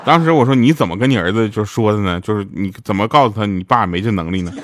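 A man's voice: lowish voice, quick pace, background noise. A man hosting a comedic podcast, joking and mocking himself, often laughing as he talks. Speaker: podcast host. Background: background music.

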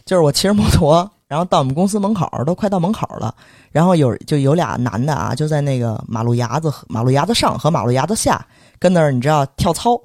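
A woman from Beijing with a Beijing accent, hosting a casual podcast chat and telling stories in a blunt, animated, swearing way. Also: deep voice, quick pace, no echo, studio quality.

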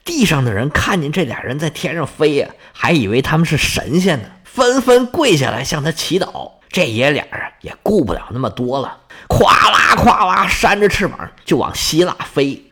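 Male storyteller, vivid colloquial delivery, slightly high voice, very lively pitch. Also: moderate pace, breathy edge. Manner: vivid, colloquial, sound words, dramatic emphasis. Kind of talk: Chinese folk-style storytelling of myths.

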